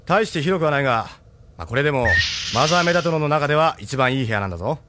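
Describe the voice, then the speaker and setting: An actor playing a blunt, friendly ship captain in a radio drama. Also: male voice, fairly high pitch, lively intonation, very noisy, lightly acted. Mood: hearty. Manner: brisk, blunt, casual.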